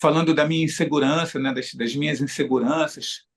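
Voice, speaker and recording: A man talks at a fairly quick pace. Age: 60s. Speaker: singer-songwriter. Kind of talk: interview. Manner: halting, with frequent repetitions.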